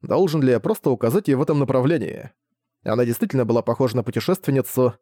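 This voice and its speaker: A man narrating a novel with a mellow, warm tone and a measured, even delivery. He sounds close and dry, with no room around him. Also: mid-range voice, no echo. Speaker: audiobook narrator. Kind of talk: reading a novel aloud.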